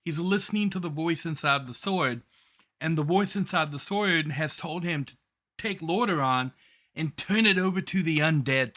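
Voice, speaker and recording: A man's voice: fairly high pitch, pushed and bright. A man casually commentating on game cutscenes and explaining the lore as host. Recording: faint game music behind speech.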